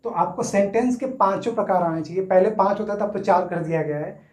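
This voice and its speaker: A man teaching English grammar in a casual Hindi lesson. He explains step by step, stretches words out slowly when sounding them, and keeps checking in with his students. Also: high voice, darkish tone. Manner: explains step by step, often checks in with "theek hai na". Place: room, writing on a board. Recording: echoey room.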